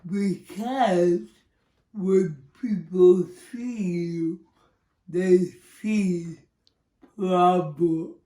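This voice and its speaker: A woman in her forties with cerebral palsy, speaking slowly and deliberately as she gives a personal testimony. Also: lowish voice, dark tone, roomy sound, far from the mic. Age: 40s. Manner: slow, deliberate speech with a cerebral palsy speech difference. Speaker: psychology professor and advocate.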